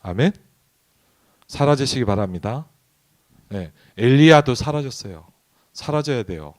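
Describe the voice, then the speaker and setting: Speaking with an animated, mid-range voice at a slightly slow pace, a pastor gives a midweek sermon in a church sanctuary. His style is conversational, and he often questions the congregation.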